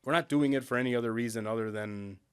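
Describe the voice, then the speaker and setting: A man with a Wisconsin accent, a podcast guest talking in a plain, self-deprecating way with halting restarts. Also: medium pitch, clean tone. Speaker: guest, operations executive. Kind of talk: casual interview talk.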